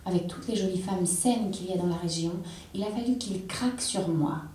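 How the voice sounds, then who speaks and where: Woman reading low in an echoing hall. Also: mellow, a little hiss or hum. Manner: intense, measured dramatic reading. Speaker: reader. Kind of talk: literary reading aloud. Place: theatre stage. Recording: echoey hall, distant mic.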